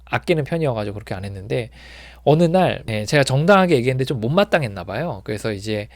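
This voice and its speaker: Gravelly guy rambling about recovery, lots of fillers, dry close sound. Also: medium pitch, lively intonation, quick pace, no room sound. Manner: rambling, many filler words and restarts; acts out shouting people when retelling. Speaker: addiction recovery counselor. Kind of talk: informal talk to viewers.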